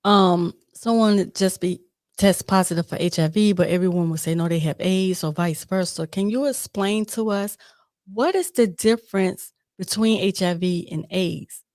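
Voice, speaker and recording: A woman's voice: lowish voice, moderate pace, a little mellow, no echo, clean studio sound. A woman hosting a podcast interview, asking questions and giving frequent short acknowledgments. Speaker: podcast host. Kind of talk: casual interview.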